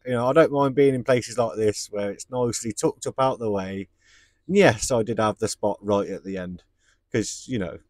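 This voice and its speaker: A man's voice: mid-range voice, darkish tone, no room sound. A man, chatting casually and rambling self-mockingly in a parked van. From United Kingdom. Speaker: van life vlogger. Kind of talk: casual vlog chat.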